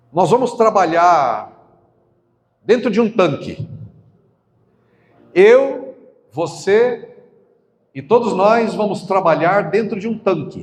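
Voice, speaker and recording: Very slow, a man speaks at a high pitch with ordinary pitch variation. Audible room echo surrounds him. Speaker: pastor. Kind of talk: sermon.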